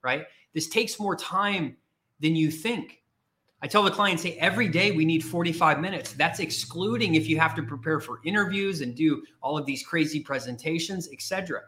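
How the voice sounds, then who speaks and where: Guy career coach, punchy and blunt, tense bright voice. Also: a little high, normal speed. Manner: emphatic, repetitive, blunt. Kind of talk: motivational talk to camera.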